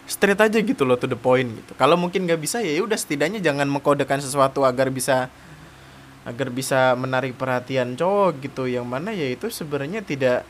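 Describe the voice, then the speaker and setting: A young man giving blunt dating advice in a casual monologue, animated and slangy, acting out mocking quotes. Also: medium pitch, a little fast, slight background noise.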